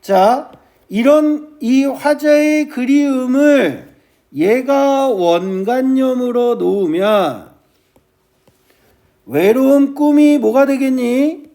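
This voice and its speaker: A male teacher giving a classroom lecture on classical poetry, often checking with his students and reciting verse slowly. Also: extremely high pitch, expressive, mellow. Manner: keeps starting with "ja", asks students quick checking questions.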